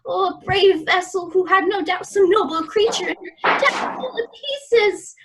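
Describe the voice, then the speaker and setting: A woman's voice: very high-pitched, measured pace, noisy background. A woman playing a tender young daughter in an amateur radio-play reading of Shakespeare, earnest and theatrical. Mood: distressed, pleading.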